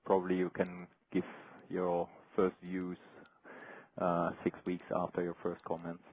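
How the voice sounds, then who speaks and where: A man asking formal questions as an analyst on a business conference call, in halting phrases. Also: low voice, completely flat delivery, darkish tone, no echo, rough recording.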